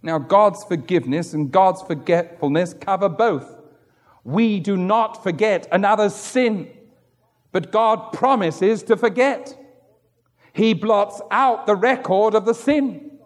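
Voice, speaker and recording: A man's voice: slow pace, in a large hall. A middle-aged male pastor preaching a sermon who tells stories and acts out the voices of the people in them. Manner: storytelling, acts out quoted voices with wide pitch swings.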